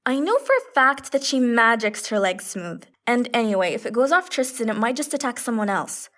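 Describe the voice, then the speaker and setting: A woman's voice: on the high side, big pitch swings, a little fast, a bit bright. A woman playing a practical, wry young female adventurer in an audio comedy drama. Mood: wry, curious. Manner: wry, no-nonsense. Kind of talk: audio fiction comedy acting.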